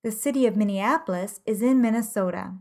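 A woman teaching a language lesson podcast, reading example sentences in measured, carefully enunciated phrases. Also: medium pitch, a little mellow. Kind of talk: slow, clear podcast lesson.

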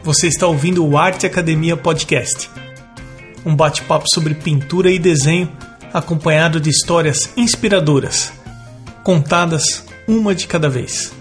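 A man's voice: on the high side, moderate pace, faint music behind. A man with a Brazilian accent hosting a podcast, speaking in a conversational interview style. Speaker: podcast host.

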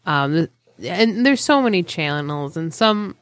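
A woman's voice: lowish voice, animated, unhurried, no echo. A woman co-hosting a podcast, talking in a chatty, casual way with some swearing and playful teasing. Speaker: podcast co-host. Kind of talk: casual chat.

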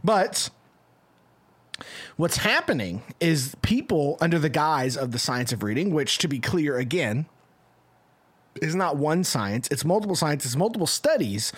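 A man co-hosting a podcast in casual discussion, talking in an animated, argumentative way and often tagging points with questions. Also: a little high, normal speed. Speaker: podcast co-host.

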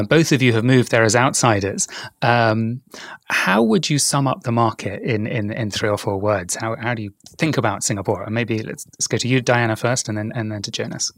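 A man's voice: medium pitch, dry recording, clean studio sound. A man hosting a finance podcast, reading a polished intro and then putting questions to his guests. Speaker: podcast host.

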